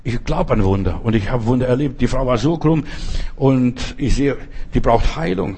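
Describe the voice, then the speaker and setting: Man, husky voice, fervent preacher, repeats himself, talks straight to the congregation. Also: mid-range voice, normal speed, a little mellow. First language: not German. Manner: fervent, repetitive, addresses listeners directly. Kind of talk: sermon with personal testimony.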